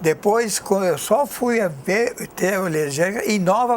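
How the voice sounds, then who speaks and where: This man's pitch is high. It varies in an ordinary way. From southern Brazil, Rio Grande do Sul (São Francisco de Paula). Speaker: TV show host. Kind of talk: interview.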